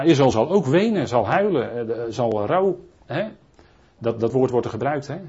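Male preacher, husky, rambling Bible-study delivery full of restarts, muffled low-fidelity recording. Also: dark tone. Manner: rambling, frequent tag questions and restarts. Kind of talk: Bible teaching sermon. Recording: dull lo-fi recording.

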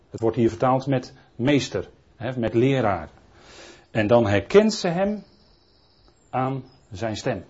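A man's voice: medium pitch, a little mellow, slightly rough. A man preaching a Bible teaching sermon in a rambling way, often adding tag questions and restarting his sentences. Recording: dull lo-fi recording.

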